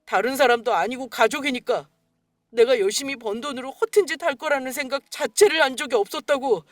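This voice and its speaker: A woman's voice: high voice, brisk, no room sound, studio quality, natural voice. A woman voicing an angry young man who accuses his mother in a dramatized story. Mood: furious. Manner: furious, accusing. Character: angry grown son, young man, betrayed.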